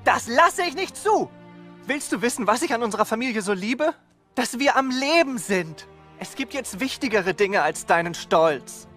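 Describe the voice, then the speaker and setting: Ein junger Dino-Vogel-Sohn, sanft und hin- und hergerissen. Er spricht ernst und flehend mit eher hoher Stimme. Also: female voice, fairly high pitch, animated, normal speed, a bit bright, faint music behind. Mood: pleading. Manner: earnest, pleading. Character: gentle young male dino-bird son, conflicted.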